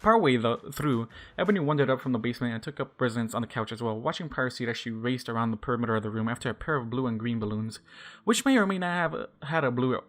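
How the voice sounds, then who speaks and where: A man's voice: mid-range voice, lively intonation, fast. A man reading fan fiction aloud with casual asides, informal and sometimes stumbling over his words. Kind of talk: story narration with casual asides.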